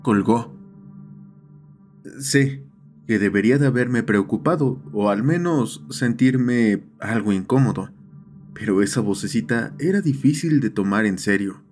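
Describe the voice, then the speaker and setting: A man's voice: lowish voice, lively intonation, unhurried, darkish tone. A man narrating a scripted horror story as the host of the channel. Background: background music.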